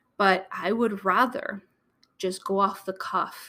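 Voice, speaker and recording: A woman talks at a fairly slow pace in a medium pitch, her tone animated. The recording is very clean, with a silent background. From Argentina. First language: Spanish. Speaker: podcast host, business coach. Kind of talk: unscripted solo podcast monologue. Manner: casual, animated.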